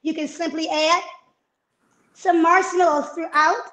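A woman in her fifties on a video call from her home kitchen, giving healthy eating tips in an energetic, coaching way. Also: extremely high pitch, measured pace, echoey room, noisy background. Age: 50s. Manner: energetic, coaching, emphatic repetitions. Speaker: fitness and nutrition guest. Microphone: wireless earbuds on a video call.

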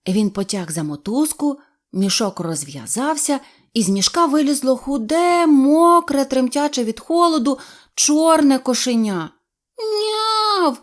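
A woman storyteller narrating a children's audio fairy tale in an expressive, animated reading. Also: high-pitched, unhurried. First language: Ukrainian.

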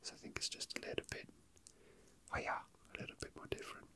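An ASMR host whispering casual, unhurried chat close to the mic, musing to themselves while handling small objects. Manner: hushed, unhurried, musing to self.

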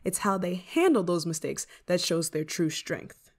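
A woman's voice: lowish voice, animated, unhurried. A woman playing a flustered, affectionate novice witch in an ASMR roleplay, speaking in a hesitant, fretful way. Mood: worried, flustered. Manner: hesitant, stammering, fretful, sighing. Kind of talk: ASMR roleplay monologue to the listener.

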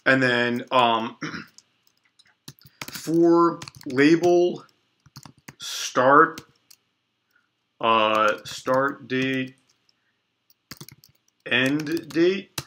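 Allergies leave this young man congested and sniffling as he narrates a casual screen-recorded coding tutorial from a desk in a small room. His medium-pitched tone is bright and forward, and he stays relaxed, thinking out loud as he types, with frequent ums and restarts.

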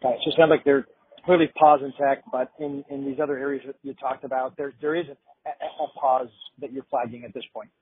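A man questioning executives on a conference call as a financial analyst, halting and often repeating words. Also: mid-range voice, fairly even intonation, slightly rough, dry recording. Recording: muffled narrowband phone line.

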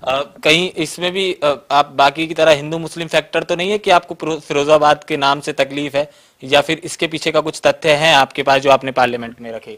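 A man's voice: fairly high pitch, steady tone, a little fast, a bit bright. A man with a Western Uttar Pradesh Hindi accent, a reporter asking long interview questions with "uh" fillers.

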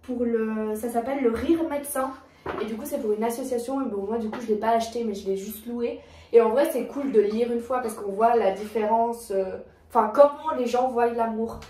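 A young vlogger chats casually in a slightly high, brisk, mellow voice, using lots of fillers and restarts. The room is echoey, her voice sounds far off, and there's slight background noise.

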